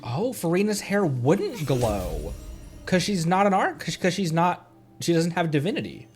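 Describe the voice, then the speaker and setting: Man, game livestreamer, fairly high voice, hugely animated, playful casual chat, game music behind. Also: unhurried. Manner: playful, giggly, self-talking.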